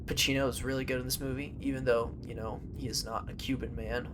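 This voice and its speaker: A man's voice: mid-range voice, little pitch movement, fast talker. Male podcast co-host, loose and jokey, talking over audible background noise. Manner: playful, rambling, many fillers. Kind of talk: casual movie chat.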